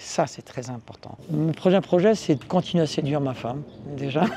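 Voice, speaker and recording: A man with a fairly high voice speaks with lively intonation. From Morocco (Meknes). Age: 60s. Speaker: actor. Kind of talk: interview. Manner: hesitant, many fillers.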